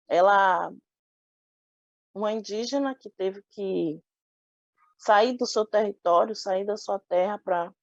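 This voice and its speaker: A woman's voice: medium pitch, darkish tone, no echo, muffled recording. A young woman from Salvador, giving an oral history interview and speaking thoughtfully with frequent restarts. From Salvador, Bahia, Brazil. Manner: thoughtful, many restarts and filler "né".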